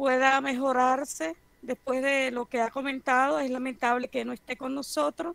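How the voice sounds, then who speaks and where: A woman's high pitch with ordinary variation, at a fairly slow pace, in a dry, close sound with no echo. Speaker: education professor, conference speaker. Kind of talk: conference lecture.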